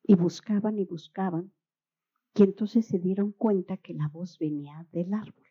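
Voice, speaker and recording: A woman's voice: fairly low pitch, normal speed, husky. A woman speaks as a panelist, informal and thinking aloud, then tells a children's story. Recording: dull lo-fi recording.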